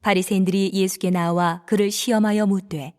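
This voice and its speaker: A woman narrating a dramatized Bible reading in a steady, formal reading voice. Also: medium pitch, a little fast, big-room sound.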